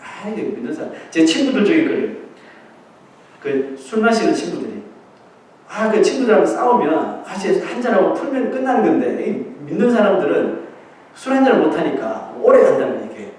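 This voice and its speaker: Lively Korean pastor in an echoey hall. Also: male voice, high voice, fairly quick. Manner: lively, conversational preaching with acted-out quotes and laughs. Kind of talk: sermon. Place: church sanctuary. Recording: echoey church hall, mic at a distance.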